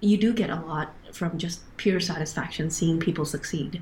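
The voice moves at a moderate pace with ordinary pitch variation. Audible echo fills the room. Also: woman. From Hong Kong, raised in US and Canada. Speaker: operations director. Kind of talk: interview.

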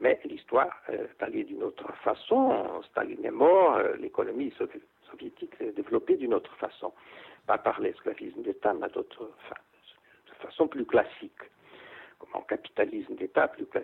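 A man's extremely high-pitched voice in a Portuguese accent, at a moderate pace with ordinary pitch variation and big swings in loudness. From Portugal. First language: Portuguese (speaking French). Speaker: author. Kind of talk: radio interview. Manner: halting.

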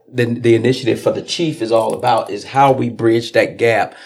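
At a moderate pace, the voice carries vocal fry and fairly even intonation. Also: man. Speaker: police officer and podcast host. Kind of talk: casual interview.

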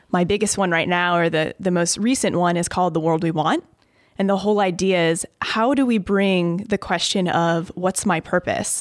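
On a very clean recording with a silent background, a woman with an ordinary speaking voice and an American accent talks at a moderate pace, medium in pitch, with fairly even intonation and very even loudness. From Chicago suburbs, US Midwest. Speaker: writer and artist. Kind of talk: interview conversation. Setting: studio.

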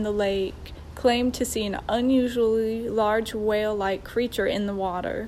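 A woman with an American accent and an ordinary speaking voice talks at a moderate pace in a fairly high pitch with fairly even intonation. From Montana. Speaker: listener sending audio message. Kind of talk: recorded voice message, storytelling. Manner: casual with frequent fillers like 'um' and 'like'.

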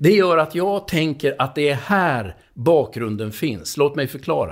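A fairly high-pitched man with lively intonation on a very clean recording with a silent background. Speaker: pastor. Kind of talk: sermon.

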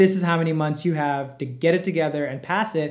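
A man with a plain, everyday voice and a fairly high pitch speaks with fairly even intonation in an American accent. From US South, Mississippi. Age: 20s. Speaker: podcast co-host. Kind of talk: casual political discussion.

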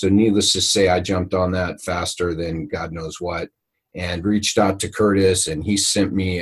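Somewhat breathy and very deep, a man's low voice stays monotone with flat intonation. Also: quiet background. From California. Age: 50s. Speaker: podcast host, physical therapist. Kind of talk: interview.

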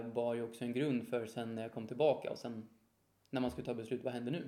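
A man speaks in a dark, mellow tone. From Sweden, Södermanland (Mariefred). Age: 30s. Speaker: author. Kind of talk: casual interview.

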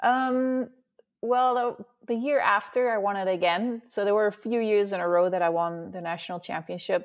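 In a Dutch accent, a woman speaks at a medium pitch and a moderate pace with ordinary pitch variation. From Netherlands. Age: 30s. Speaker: professional mountain biker. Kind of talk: casual interview.

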